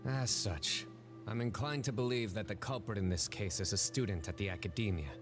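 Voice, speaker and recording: A man voicing a stern, composed young investigator in a video game, speaking in a measured, deadpan way. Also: lowish voice, natural voice. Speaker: game character. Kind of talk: game voice acting. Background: game music.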